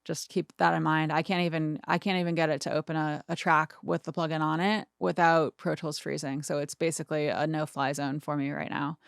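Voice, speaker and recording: A woman's voice: deep voice, creaky, dry recording, clean studio sound. A woman in her thirties hosting a music production tutorial, chatting informally and casually with some self-deprecation. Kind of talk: casual screen-recorded tutorial.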